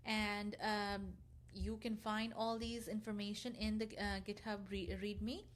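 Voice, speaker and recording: A woman presenting a software tutorial in a casual, explanatory screencast walkthrough style with loosely scripted delivery. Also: medium pitch, level tone, unhurried.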